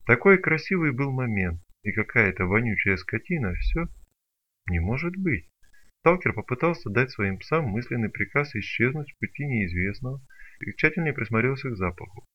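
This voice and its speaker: A man narrating an audiobook in an expressive storytelling manner. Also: mid-range voice, normal speed. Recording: dull lo-fi recording.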